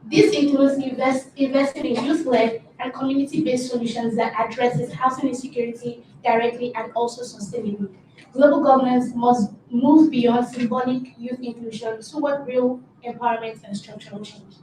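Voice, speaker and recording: Woman reading a formal speech, kinda high voice, big echoey hall, mic far. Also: fairly even intonation, normal speed, warm tone, a little hiss or hum. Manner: earnest, formal. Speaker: conference speaker. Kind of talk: prepared speech. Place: conference hall.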